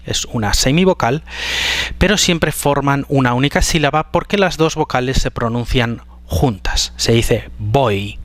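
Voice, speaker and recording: A man teaching pronunciation, explaining syllable structure slowly and carefully, stretching out example words. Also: mid-range voice, a bit bright, no room sound. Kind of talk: explanatory lesson.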